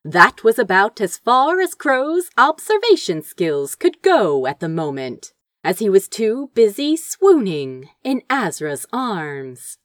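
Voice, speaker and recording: A woman's voice: mid-range voice, slow, no room sound, studio quality. A woman reading fiction aloud as dramatic, theatrical narration. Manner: expressive, theatrical storytelling. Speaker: audiobook reader of fan fiction.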